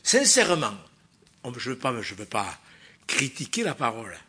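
A man preaching a sermon in a church, emphatic, swinging from loud stresses to quiet asides and asking the congregation rhetorical questions. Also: medium pitch, very animated, moderate pace, a little hiss or hum.

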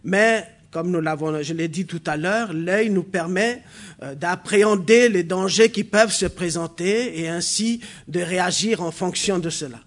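A man from New Caledonia whose first language is a local New Caledonian language, preaching a sermon in a church hall, halting with fillers, then building to emphatic preaching. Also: sits high.

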